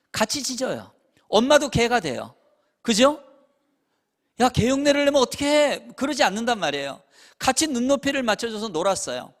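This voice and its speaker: A pastor in his fifties delivers a revival sermon in a church sanctuary. His voice sits high for a man and leaps up and down as he tells family stories. He acts out the parents and the children as he goes. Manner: animated storytelling, acting out parents and children.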